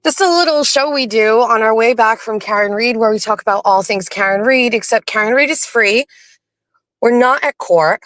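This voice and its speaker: A woman's voice: a little high, normal speed, fairly bright tone, no echo. Woman, host, scratchy morning voice, chatty and rambling, dry close sound, phone in a car. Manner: chatty, laughing, rambling asides. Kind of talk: casual morning chat while driving. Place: inside a car. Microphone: phone in a car cradle.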